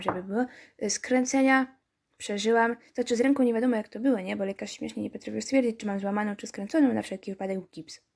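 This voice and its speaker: A woman's voice: fairly high pitch, a little mellow. A woman reading a story game aloud and breaking off for wry, chatty asides to her viewers. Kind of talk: let's-play reading with chatty commentary.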